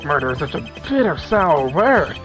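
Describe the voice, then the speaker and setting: A man's voice: fairly high pitch, big pitch swings, moderate pace, fairly bright tone, faint music behind, rough recording. Man putting on a creepy unhinged villain. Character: creepy imprisoned male villain, gleefully unhinged. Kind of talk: reading game dialogue aloud.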